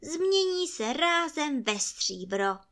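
A woman's voice: high voice, big pitch swings, a bit bright, voice pushed up, full character voice. A woman voicing a male spirit trapped in a bottle, who wails to be let out and then bargains with promises. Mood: grand. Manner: wailing, then coaxing and bargaining.

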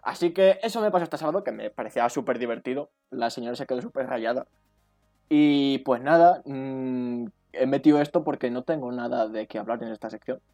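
A man's voice: mid-range voice, fairly quick, dark tone, faint music behind. A man, a podcast co-host, telling comic stories in a playful, self-mocking way. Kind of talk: comedic storytelling.

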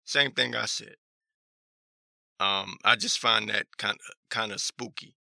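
A male talk show host with a hoarse, gravelly voice and a lowish pitch. He comments on the news casually and skeptically, halting and repeating phrases. The sound is dry and close. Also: steady tone, pushed and bright, no room sound. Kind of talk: casual news commentary, reading articles aloud.

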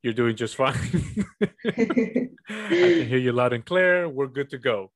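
A man's voice: mid-range voice, very animated, slow. A man hosting a casual interview podcast on a video call, friendly and upbeat, with fillers and laughs. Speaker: podcast host.

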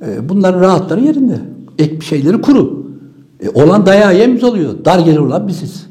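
Man, political commentator, fiery, scornful, high lively voice, dark tone, weary. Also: fairly quick. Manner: fiery, scornful, rhetorical questions. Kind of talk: impassioned political monologue.

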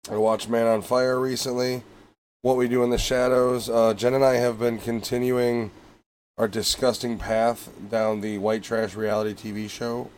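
A man's voice: medium pitch, level tone, normal speed, darkish tone, smooth. A man co-hosting a podcast, chatting casually in a rambling, offhand way with frequent swearing. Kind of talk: casual chat.

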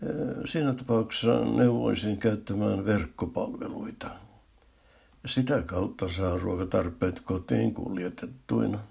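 Man doing a polite young policewoman, gently helpful, gravelly low voice, storybook reading. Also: heavily acted. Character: young female police officer, polite and kind.

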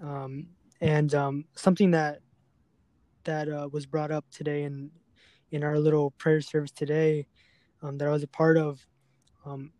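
A man hosting a serious podcast conversation, speaking earnestly and haltingly, often repeating words as he goes. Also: a little high, level tone, dark tone, no echo. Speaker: podcast host.

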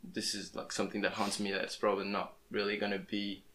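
A man's voice: fairly low pitch, completely flat delivery, brisk, a bit bright. A young man, a native Portuguese speaker, talking in a casual podcast interview, often restarting his words. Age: young adult. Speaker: podcast host. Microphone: plugged-in podcast microphone.

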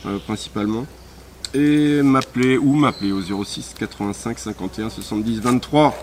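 A man's voice: mid-range voice, fairly quick, darkish tone, slight background noise. A man who leads a volunteer sports group, answering interview questions outdoors in a hesitant way with frequent fillers. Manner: hesitant, many "euh" fillers. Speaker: volunteer sports association president. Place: outdoors at a rural hamlet.

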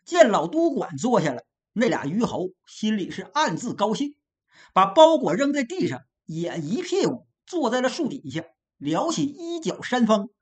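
A woman storyteller narrating a classic novel with a lively, expressive delivery. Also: medium pitch, moderate pace.

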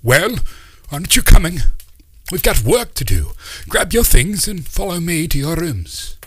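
An eccentric old uncle bubbling with whimsical excitement, as a man puts him on for a storybook. He rambles fussily, his raised voice leaping up and down. The tone is a little husky and the sound close and dry. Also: medium pitch, measured pace, dry recording, voice pushed up, heavily acted. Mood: excited. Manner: fussy, rambling, theatrical.

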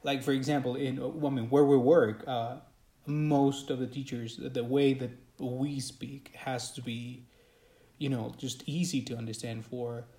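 A man's voice: medium pitch, steady tone, unhurried, warm tone. A man hosting an English-learning podcast, friendly and hesitant with many fillers. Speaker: podcast host and English teacher. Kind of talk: casual interview chat. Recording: echoey room.

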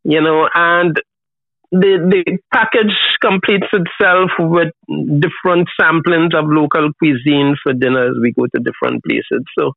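A man's voice: fairly high pitch, a little slow, gravelly, no echo. A seventy-year-old man with a Trinidadian accent, talking in an easygoing, reflective, colloquial way as an interview guest over a call. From Trinidad and Tobago. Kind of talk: casual conversational interview. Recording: thin, phone-like call audio.

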